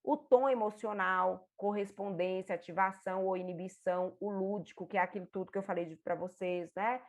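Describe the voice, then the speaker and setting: A woman with a Brazilian Portuguese accent, a therapist and mother, giving an informal, animated teaching talk. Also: mid-range voice, fairly quick. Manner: animated, acts out examples in a lively voice. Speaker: therapist and mother of an autistic child.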